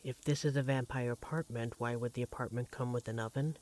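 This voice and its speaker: A man playing an affectionate, devoted vampire partner in a roleplay audio drama, speaking in a tender, gently teasing, conversational way. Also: medium pitch, fairly even intonation, fairly quick, close to an everyday voice. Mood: teasing, amused. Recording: clearly audible background noise, sizzling kitchen effects.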